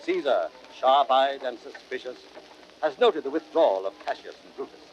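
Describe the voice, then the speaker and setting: A man's voice: medium pitch, expressive, moderate pace, close to an everyday voice. A man narrating a classical drama in a dramatic, scripted style. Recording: dull, noisy vintage record.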